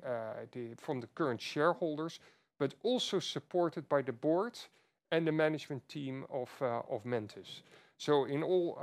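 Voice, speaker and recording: Halting male executive presenter. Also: mid-range voice. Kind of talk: earnings call presentation.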